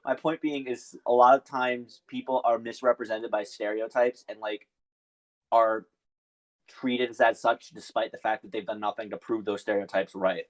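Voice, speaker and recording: A man's voice: lowish voice, steady tone, moderate pace, poor audio. A man making a point on a casual podcast, with lots of likes. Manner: casual, filler-heavy talk. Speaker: podcast co-host.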